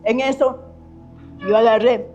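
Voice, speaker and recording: A woman's voice: fairly high pitch, fairly even intonation, unhurried, darkish tone. A middle-aged woman tells her personal faith testimony in an earnest, repetitive way, often restarting her sentences. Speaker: testimony giver. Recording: slightly muffled recording with faint music.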